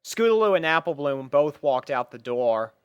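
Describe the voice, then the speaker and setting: A woman narrating a scripted story in an expressive manner. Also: deep voice, normal speed, clean tone, no echo.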